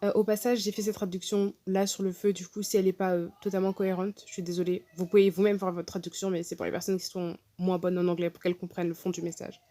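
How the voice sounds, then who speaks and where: A woman reading out her own translation in a steady, even way. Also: on the low side, fast talker, few pauses. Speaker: video creator.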